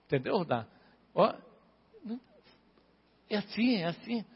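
A man's voice: high voice, big pitch swings, slow, husky. A man preaching an informal sermon to a congregation, chatting and calling on listeners by name. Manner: conversational, calls on listeners by name. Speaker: pastor. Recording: dull, reverberant hall recording.

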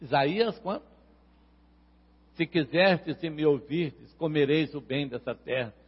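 Husky-voiced Brazilian preacher in an echoing hall. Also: male voice, fairly high pitch, unhurried. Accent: Brazilian Portuguese. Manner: preaching, addressing congregation members by name, rising to loud prophetic passages. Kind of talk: sermon. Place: church. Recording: reverberant church hall, dull lo-fi sound.

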